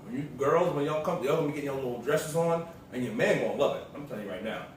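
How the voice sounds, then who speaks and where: A man's voice: medium pitch, racing. An American man chatting casually on a vlog, slangy and repetitive as he tells stories. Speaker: vlog co-host, the vlogger's partner. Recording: roomy echo, distant mic, noisy background.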